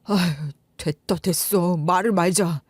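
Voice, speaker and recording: A woman's voice: on the low side, fairly even intonation, measured pace, no room sound, studio quality, pitched below the performer's own voice. A woman voicing a weary, defeated husband in a story radio drama, sighing and giving up mid-sentence. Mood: bitter resigned.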